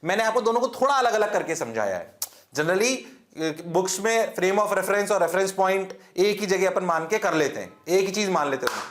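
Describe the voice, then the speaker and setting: Man from India, physics lecture, high-pitched, rapid questions to the class, echoey room. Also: expressive, a bit bright. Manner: quizzing questions and answering them himself, often in a mock student voice; mixes English terms into Hindi speech, repeats checks for understanding. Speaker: physics teacher.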